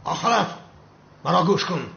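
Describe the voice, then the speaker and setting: A loud, blustering middle-aged father in a TV drama dub. His voice sits high and rough with fry. The sound is dull and echoey with music underneath. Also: animated, slight background noise, full character voice. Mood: commanding. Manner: bossy and blustering, then pleading. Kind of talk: dubbed TV drama.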